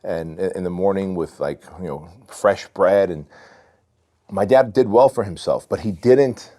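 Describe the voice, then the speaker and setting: Low-pitched man, forties, from armenia, candid casual storytelling, podcast guest. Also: unhurried, warm tone. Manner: candid, loose, says "man" a lot.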